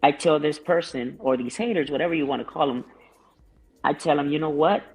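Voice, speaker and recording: A man's voice: fairly high pitch, a little fast, husky, low-quality recording. A man guesting on an interview show, talking about his music in a rambling way, with many restarts and fillers. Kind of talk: casual interview chat.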